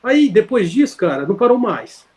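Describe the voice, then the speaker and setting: A high-voiced man tells his story in a loose, conversational way. He circles back, restarts sentences and leans on fillers. The sound comes through a video call. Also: big pitch swings, normal speed, a little mellow. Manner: rambling, many fillers and self-corrections. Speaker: interview guest.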